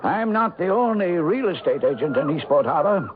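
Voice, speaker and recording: Radio drama role: folksy small-town sheriff, high, very lively pitch, plain-spoken. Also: male voice. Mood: earnest, insistent. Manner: folksy, unhurried country phrasing. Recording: tinny, very noisy old radio broadcast.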